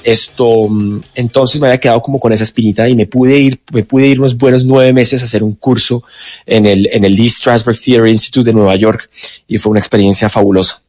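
A man from Colombia, an actor in his forties, chatting in a relaxed way on a radio interview, with many restarts. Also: medium pitch, brisk. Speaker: guest actor. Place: radio studio.

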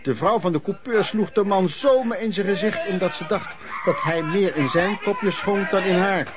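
An actor playing an earnest, aghast storyteller narrating lodging-house memories in a radio play. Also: male voice, high-pitched, normal speed, lightly acted. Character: male storyteller recalling lodging-house misery, shocked and earnest. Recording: crowd noise behind the voice.

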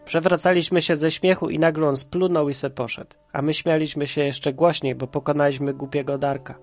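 A man from Kraków with a head cold, reading a children's story aloud in a lively, playful way. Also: a little high, a little fast, soft background music. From Kraków, Poland. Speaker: storyteller and podcast host.

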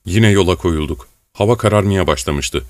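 A male audiobook narrator reads in a steady, measured way. His voice sits on the low side. The recording is dry and close. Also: no room sound. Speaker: audiobook reader.

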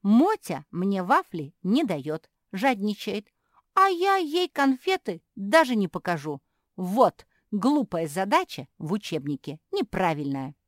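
A woman voicing a stubborn, greedy little girl creature in a storybook, talking shrill, loud and insistent. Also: sing-song, a little slow, no echo, studio quality.

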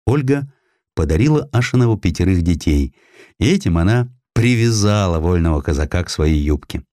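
A male audiobook narrator with a fairly deep voice tells historical prose. His delivery is expressive and highly varied in melody, shaped like dramatic storytelling. The sound is dry, with almost no room around it. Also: normal speed, no echo.

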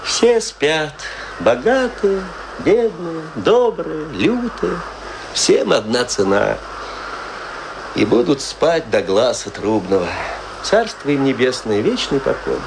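A man's voice: a little high, very animated, slow pace, creaky, noisy background, exaggerated voice. An actor in a radio play voicing a chatty, morbidly wry man with an ironic, theatrical delivery full of rhetorical questions. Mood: brooding. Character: chatty, morbidly wry man musing over death and graves. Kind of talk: theatrical radio play monologue, conversational Russian storytelling.

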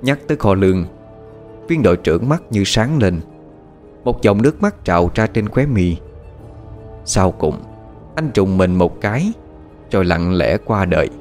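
Low expressive male storyteller. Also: measured pace, pauses often. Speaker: narrator. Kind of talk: dramatic storytelling narration. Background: faint background music.

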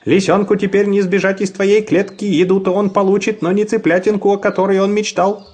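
A boisterous farmer in a storybook calls out in a raised, higher voice, played by a male reader. He booms with hearty cheer, though his tone stays dark and husky. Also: level tone, brisk. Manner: loud and boisterous. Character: loud hearty farmer man.

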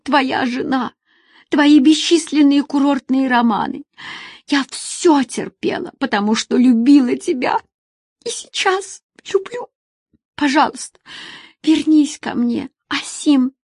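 A desperate woman begs through tears in a high, trembling voice, as a female narrator puts her on. She is a heartbroken lover in a spoken story, her words weepy and urgent. The sound is dry and close. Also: takes it slowly, darkish tone, no echo. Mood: tearful pleading. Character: tearful pleading woman, desperate former lover.

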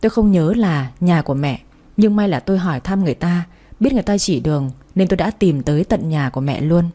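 A woman's voice: fairly low pitch, expressive, fast talker, mellow. A woman narrating a first-person family story in an earnest, plain storytelling manner.

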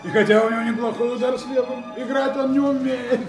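A man's voice: very high-pitched, steady tone, fast, reverberant, over music. An actor playing a chatty, laughing man greeting resort guests in a radio play, breezy and playful.

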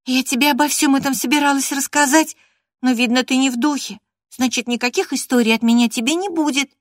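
A woman voicing a capricious thirteen-year-old girl, high and whining, in a storybook reading. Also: fairly quick, no echo, studio quality, close to an everyday voice. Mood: merry, whining. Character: spirited young girl of thirteen, capricious and playful.

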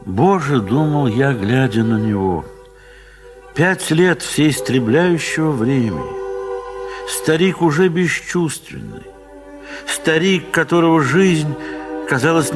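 In this 1970s Soviet audio drama, a man whose voice is mid-range recounts a classic story with dramatic, literary flair, pausing in a measured, expressive way.

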